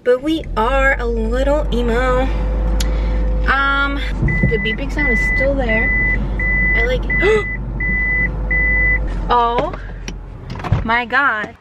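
A woman's voice: high voice, background noise. A teenage woman chatting candidly in a casual vlog, often saying "like". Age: late teens. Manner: chatty, frequent "like", candid about her feelings. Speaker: vlogger, high school senior.

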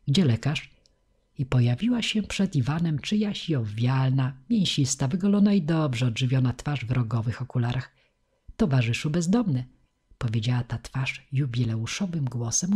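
A woman narrating an audiobook in a measured, expressive reading. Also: rumbling low, slightly rough. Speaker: audiobook reader.

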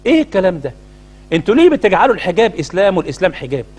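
Middle-aged Egyptian male cleric, talk-show co-host; high-pitched, rapid, indignant delivery. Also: sing-song, darkish tone, breathy edge. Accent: Egyptian Arabic. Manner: indignant, hammering rhetorical questions. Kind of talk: heated studio talk-show commentary.

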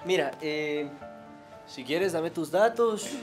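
A man's voice: fairly high pitch, expressive, slow pace, music in the background. A young man playing a doctor, formal and a bit hesitant, greeting visitors in a clinic office. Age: young adult. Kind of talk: staged short drama.

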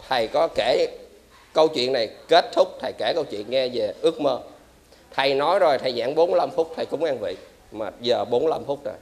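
A man, a Buddhist monk giving a lively dharma talk and quizzing his audience. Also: mid-range voice.

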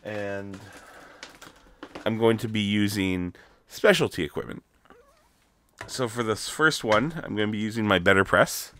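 A Canadian man hosting a casual crafting tutorial, chatty with many ums, his voice still rough from being sick. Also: on the low side, measured pace, pauses often, fairly bright tone, slight background noise. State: recovering from illness, voice still rough. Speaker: craft video host.

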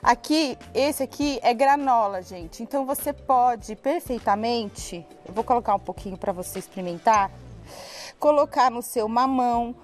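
Cooking guest, 30s woman, eager explainer on a studio lapel mic, bright higher voice, faint music under. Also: moderate pace. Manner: enthusiastic explaining, addresses viewers as "gente". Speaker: cooking guest presenting cocoa recipes. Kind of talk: live TV cooking segment. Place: TV studio set with kitchen table.

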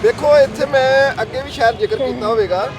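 A man volunteering at a ration handout, gently comforting an elderly woman and speaking to viewers. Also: extremely high pitch, brisk. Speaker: charity volunteer handing out rations. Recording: crowd and traffic noise outdoors.

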